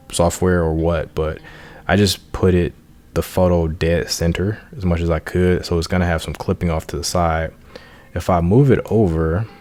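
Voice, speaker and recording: A man's voice: sits low, a little mellow. A man giving casual, informal and self-deprecating commentary as the host of a video game playthrough. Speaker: let's play host. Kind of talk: casual gaming commentary with read-out game text. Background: music.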